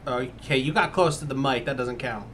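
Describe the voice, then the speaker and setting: A man's voice: medium pitch, normal speed, a bit bright, slight background noise. A man acting as game master, chatting casually over an online voice call. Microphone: computer mic on an online call.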